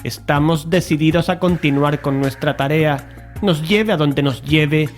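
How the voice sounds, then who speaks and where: An actor with an accent from Spain playing a self-assured, conceited investigator, speaking formally and precisely in an audio drama. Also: male voice, a little high, a little slow, faint music behind, natural voice. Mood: grave, reflective. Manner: formal, pompous, precise wording. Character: Mario, self-assured, conceited male investigator leading his friends. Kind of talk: Spanish audio drama acting and first-person narration.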